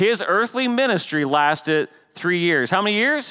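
A man projects a raised, high-pitched voice with a bright, sharp tone and lively intonation against a quiet background. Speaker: pastor. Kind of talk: sermon. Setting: church service with congregation. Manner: loud.

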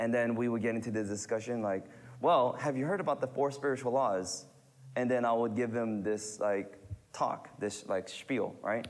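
A man with an American accent speaks at a moderate pace in a medium pitch with ordinary pitch variation and very even loudness, with audible room echo. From Korean American community, US. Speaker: guest preacher. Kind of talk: sermon. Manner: hesitant with many fillers.

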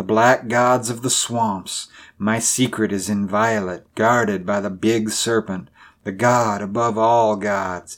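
Mumbling in a put-on character voice, a man of medium pitch speaks at a fairly slow pace on a very clean recording with a silent background. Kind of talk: horror audiobook reading. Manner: mumbling, drifting, fearful.

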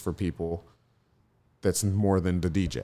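On a very clean recording with a silent background, a man speaks with an American accent at a moderate pace. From Florida. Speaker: bartender. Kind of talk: casual chat.

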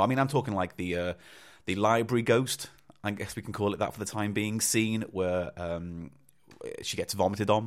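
This man talks very fast in a fairly low voice with a British accent and fairly even intonation. The recording is very clean, with a silent background. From UK. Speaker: comedian and writer. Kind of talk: recorded voice message.

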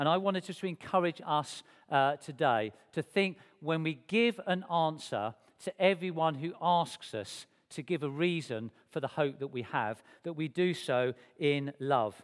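Speaking slowly, though not very slowly, a man with a normal speaking voice uses a fairly high pitch and lively intonation. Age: 50s. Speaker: visiting preacher. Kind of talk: sermon. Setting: church.

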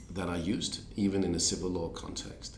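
Very deep, low-pitched male speech with a Danish accent, fairly quick and fairly even in intonation, with audible room echo. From Denmark. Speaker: arbitrator. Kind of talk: interview. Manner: halting.

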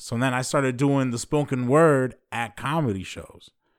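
A man talks at a moderate pace in a normal speaking voice, with ordinary pitch variation. The recording is very clean, with a silent background. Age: 30s. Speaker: stand-up comedian. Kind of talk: casual chat.

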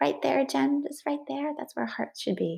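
This is a woman speaking. She talks with a western Canadian accent. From Vancouver, Canada. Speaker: grief and life coach. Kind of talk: personal testimony.

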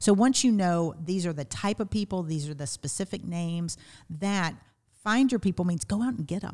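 A woman with an unremarkable speaking voice and an American accent, with a fairly low pitch, lively intonation and a fairly quick pace, in a very clean recording with a silent background. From US South, Columbus, Georgia. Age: 50s. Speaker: business coach and author. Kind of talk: casual interview.

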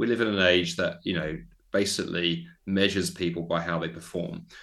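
A fairly low-pitched male voice with a London accent at a fairly quick pace over a quiet background. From London, England. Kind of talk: casual interview conversation.

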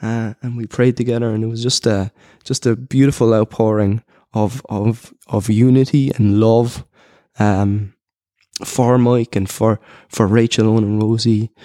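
Dark and mellow, a man's medium-pitched voice moves at a fairly slow pace with flat, monotone intonation. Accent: Cork. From Ireland, Cork. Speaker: church elder. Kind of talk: personal testimony interview.

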